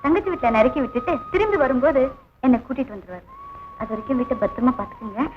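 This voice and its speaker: An actress playing a gentle, devoted young wife who speaks softly and tenderly to her husband in an old film. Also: high voice, sing-song, rapid-fire, noisy background. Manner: soft, tender. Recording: dull old film soundtrack with loud music.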